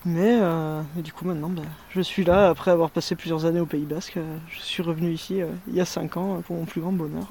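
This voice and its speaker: A woman's voice: fairly low pitch, fairly even intonation, fast, hardly any pauses, warm tone, slight background noise. Hesitant woman with a Parisian accent. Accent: Parisian French. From France. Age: 30s. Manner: hesitant, many fillers and restarts. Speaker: guest, musher. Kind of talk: casual interview chat. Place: sunny garden in the mountains, outdoors.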